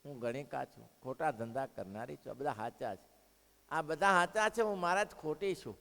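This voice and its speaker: A man voicing a repentant woman who confesses humbly, in a soft, subdued tone while telling a sermon story. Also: medium pitch, sing-song, fairly quick, creaky, voice pushed down. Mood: humble pleading. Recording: long hall reverb.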